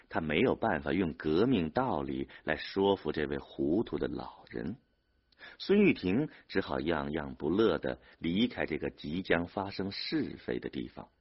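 A man narrating a novel as an expressive audiobook reader. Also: low-pitched, husky. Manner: expressive storyteller. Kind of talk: dramatic audiobook reading. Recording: dull lo-fi audio.

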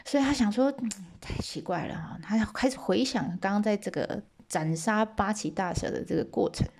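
A woman telling an old legend in a casual, lively way, checking in with listeners and dropping chatty asides. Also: mid-range voice, a little fast. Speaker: storyteller.

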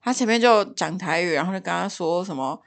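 A young woman from Taiwan co-hosting a podcast, telling stories in a casual, animated way with plenty of laughter. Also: lowish voice, fast talker. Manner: animated storyteller, laughs a lot. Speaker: podcast co-host. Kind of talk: casual chat.

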